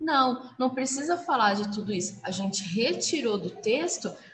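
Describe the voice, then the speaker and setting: Over noticeable background noise, a woman speaks at a fairly high pitch with very wide pitch swings. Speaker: school teacher. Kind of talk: online class lesson. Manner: animated.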